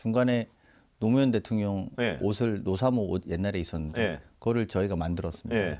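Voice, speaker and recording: At a fairly quick pace and with ordinary pitch variation comes an unremarkable speaking voice. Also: man, fairly low pitch for a man. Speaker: presidential chief of staff. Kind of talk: interview answer.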